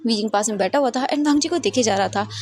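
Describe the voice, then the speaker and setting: A woman's voice: fairly high pitch, quick pace, a little mellow, slight background noise. A woman casually narrating her own fanfiction story, chatty and mixing in English words.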